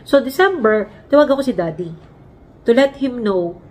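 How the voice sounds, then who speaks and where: This woman in her forties, from the Philippines, is a vlog host who tells stories in an animated way and acts out what people said. Her voice sits a little high and moves around a lot. Soft noise hums behind her at home. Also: normal speed. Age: 40s. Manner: animated, acts out quotes, laughs while telling. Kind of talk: casual storytelling chat. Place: home, Canada.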